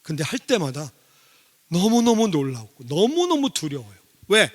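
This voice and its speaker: A middle-aged man with a high voice preaches a testimony as a guest revival speaker. His delivery is animated and he keeps asking the congregation questions. The sound carries a long church hall reverb. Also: moderate pace. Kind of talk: sermon testimony. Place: church sanctuary.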